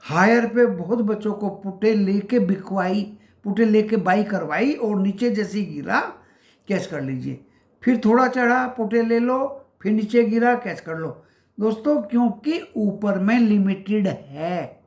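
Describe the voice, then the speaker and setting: A man hosts a stock market channel, his voice sitting fairly high. He talks his viewers through the day's price levels in a casual, halting way, calling them friends. The sound rings around an echoey room. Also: lively intonation, a little mellow. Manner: addresses viewers as friends, explains levels with many pauses.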